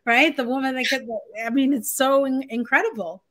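A woman from Montreal, a native French speaker, speaks as a guest on a video call. She talks in an animated, expressive way, full of fillers and repeated words. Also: high-pitched, normal speed. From Montreal, Quebec. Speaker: guest, personal development coach. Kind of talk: casual interview conversation.

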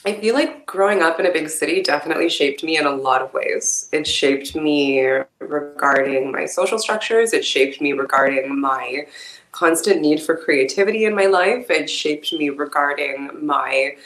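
Woman from Canada, low voice, reflective and expressive, echoey room. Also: moderate pace. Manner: reflective, expressive, laughs often. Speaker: podcast guest. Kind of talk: casual interview talk.

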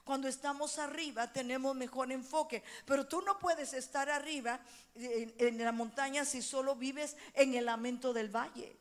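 A high-pitched woman pastor delivers a sermon to her congregation. She swings between loud, fervent exhortation and quiet personal storytelling, with a middle-aged voice. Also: normal speed.

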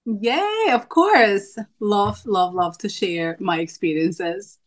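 A woman's voice: mid-range voice, animated, takes it slowly. Woman from Mexico chatting as podcast guest. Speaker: podcast guest, fitness coach. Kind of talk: casual chat.

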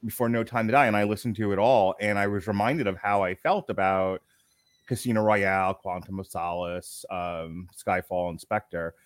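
A man's voice: fairly low pitch, fairly even intonation, moderate pace, clean tone, no echo. A man hosting a podcast, chatting casually in a jokey, rambling way. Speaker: podcast host. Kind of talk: casual chat.

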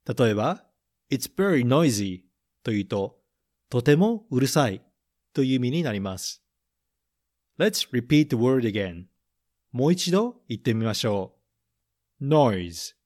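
A man reading a picture book aloud and running a gentle English vocabulary quiz for children, saying each line in English and then in Japanese. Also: medium pitch, big pitch swings. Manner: slow, careful delivery, repeating each point in English then Japanese. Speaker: storybook reader and English teacher.

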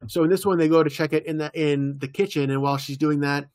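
A man's voice: on the high side, fairly even intonation, fast talker, a little mellow, no room sound. An easygoing man with a slightly raised voice walks through plot beats on a podcast, casually quoting lines. It is recorded close up, with a dry, dead sound. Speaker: podcast co-host. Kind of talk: casual episode recap chat.

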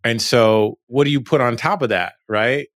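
Man, interview host, relaxed, reflective, dry close recording. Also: mid-range voice, moderate pace, no echo. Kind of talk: conversational interview.

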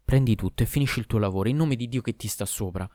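A man voicing an impatient young man in a hurry, speaking in a hushed, clipped way in a storybook reading. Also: lowish voice, quick pace, no room sound, studio quality, lightly acted.

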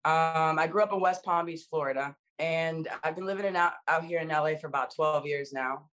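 A woman's voice: low voice, fairly quick, a bit bright. Casual slangy young woman. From Dominican Republic. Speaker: actress guest. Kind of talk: casual interview chat.

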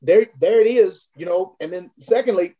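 A man's voice: high-pitched, normal speed, dark tone. A man working as a recovery advocate, speaking earnestly and encouragingly as a podcast guest. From Tennessee. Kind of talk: casual podcast conversation.

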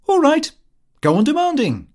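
A man's voice: very high voice, huge pitch swings, normal speed, voice pushed up, exaggerated voice. A man voicing an insolent seventeen-year-old office boy in an audiobook, mocking and impudent. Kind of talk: audiobook character dialogue.

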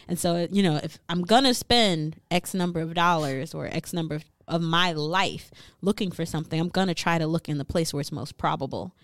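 A woman co-hosting a casual discussion, explaining her views in a steady, reasoned way. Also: low-pitched, fairly quick, hardly any pauses, dry recording, clean studio sound.

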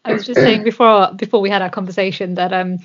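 A woman's voice: mid-range voice, steady tone, quick pace. Chatty female podcast host. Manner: chatty, friendly, laughs often. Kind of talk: casual interview chat. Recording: slightly dull lo-fi sound.

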